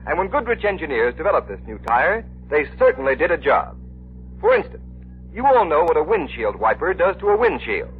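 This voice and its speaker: A man's voice: on the high side, big pitch swings, a little fast, slight background noise. A male radio announcer reading in the persuasive, emphatic style of 1930s radio. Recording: dull old radio broadcast.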